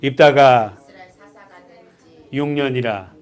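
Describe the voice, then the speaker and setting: A male pastor preaching an expository sermon in a church, keeping it lively by quizzing the congregation and dropping to a hushed voice for grim points. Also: mid-range voice, very slow, smooth. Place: church sanctuary.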